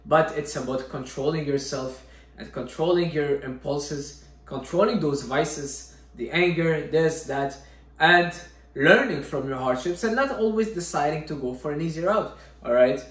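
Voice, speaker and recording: A young man with a somewhat high voice, speaking earnestly about discipline as a fitness vlogger. He keeps checking in with his listener. The room around him rings with echo. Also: measured pace, fairly bright tone. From Syria. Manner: earnest, repeats "all right?" often. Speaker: fitness vlogger, natural bodybuilder. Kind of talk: motivational talk to camera. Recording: echoey room.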